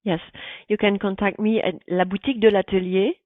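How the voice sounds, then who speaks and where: A woman's voice: medium pitch, flat delivery, a little fast, dry recording. An enthusiastic woman answering interview questions in short, emphatic bursts. Her voice comes through a tinny, phone-like remote call line, bone dry with no room sound. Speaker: guest, artist and bag designer.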